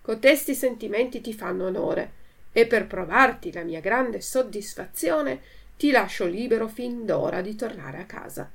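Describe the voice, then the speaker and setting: A woman voicing a boastful grown farmer who talks loudly and sounds self-satisfied in a storybook reading. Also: on the high side, lively intonation, moderate pace, gravelly. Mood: hearty.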